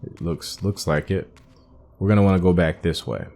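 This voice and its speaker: Deep-voiced man doing gameplay commentary. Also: animated, normal speed, vocal fry, warm tone. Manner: thinking aloud, explanatory. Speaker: gaming host. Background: game audio with faint music.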